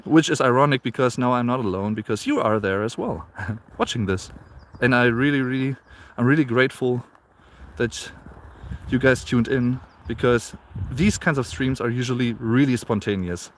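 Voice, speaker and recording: A man's voice: mid-range voice, normal speed. A man in his late twenties with a German accent, chatting casually in a live stream while out walking in the snow and reading viewer comments aloud. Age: 20s. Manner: chatty, reads viewer comments aloud, frequent fillers and repeats. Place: outdoors on a snowy walk.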